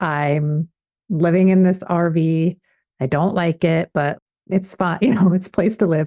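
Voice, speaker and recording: An unremarkable speaking voice from a woman, medium in pitch, with ordinary pitch variation. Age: 40s. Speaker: podcast host and business coach. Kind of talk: interview.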